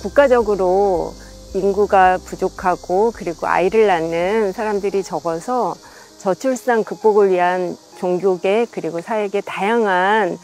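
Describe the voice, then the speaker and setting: A woman's voice: mid-range voice, darkish tone. A woman program organizer being interviewed, explaining things steadily with small fillers.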